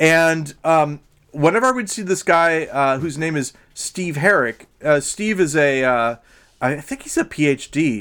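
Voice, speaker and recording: A man uses a normal speaking voice, his pitch fairly high. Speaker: podcast co-host. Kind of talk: casual chat. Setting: remote call from basement.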